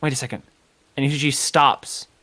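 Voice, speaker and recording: A man's voice: medium pitch, level tone, a little slow, sharp tone. A man narrating as game master of a tabletop game, hesitant and full of filler words. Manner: hesitant, full of ums and kinda.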